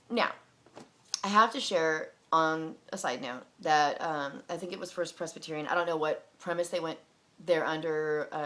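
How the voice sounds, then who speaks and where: Woman, young adult, casual vlog talk, rambling, lots of fillers, bright tone, slightly low pitch. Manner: rambling, filler-heavy, animated, mimics people with loud barking sounds. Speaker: vlogger.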